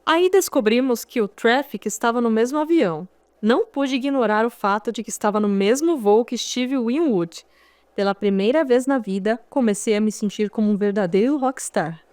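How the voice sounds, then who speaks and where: Dry, higher-voiced Brazilian woman narrating. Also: moderate pace, a little mellow, dry recording. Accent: Brazilian Portuguese. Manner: conversational storytelling, wry asides to the listener. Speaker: audiobook narrator. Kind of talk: first-person memoir audiobook narration.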